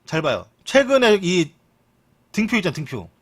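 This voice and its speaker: Young man, casual stream commentary, lively swooping pitch, slightly high voice. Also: moderate pace. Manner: chatty, lively pitch, jokes and mutters asides. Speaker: streamer reading football news.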